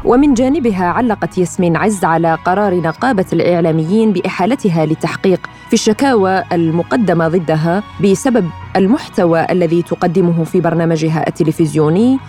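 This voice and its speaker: A woman co-hosting a radio program comments on the news in a low, warm voice. She speaks thoughtfully and pauses on hesitant fillers. Faint music runs behind her. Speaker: radio co-host. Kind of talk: news discussion.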